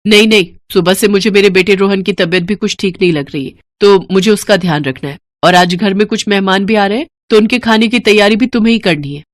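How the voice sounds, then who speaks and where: A woman's voice: medium pitch, a little fast, hardly any pauses, no room sound, studio quality, close to an everyday voice. A woman voicing a haughty rich housewife in a dramatised story, curt and imperious. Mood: stern, scolding. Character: haughty, bossy rich housewife scolding her maid. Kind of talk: dramatised Hindi bedtime story.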